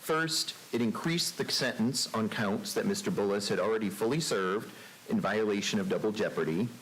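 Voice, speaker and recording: A man's voice: fairly low pitch, normal speed, fairly bright tone, low-quality recording. A man speaking as a lawyer in formal courtroom argument, courteous, articulate and structured. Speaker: appellate defense lawyer. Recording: faint hiss.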